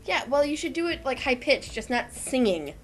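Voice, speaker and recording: A woman's voice: sits high, sing-song, normal speed, soft background music. A woman hosting a game video, reading the story aloud and scolding her co-host. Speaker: let's-play host. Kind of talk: reading a visual novel aloud.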